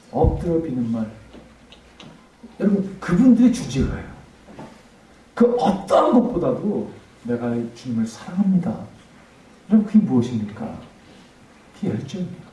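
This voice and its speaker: A man preaching a revival sermon as pastor, impassioned, swinging between emphatic peaks and hushed tones. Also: mid-range voice. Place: church sanctuary. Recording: echoey church hall, mic at a distance, faint noise.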